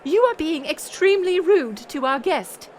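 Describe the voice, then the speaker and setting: A woman with a very high, animated voice speaks at normal speed as a proud, weary middle-aged queen mother in a dramatic audio roleplay, commanding and defensive in tone. There's a little hiss or hum, plus music and banquet crowd murmur behind.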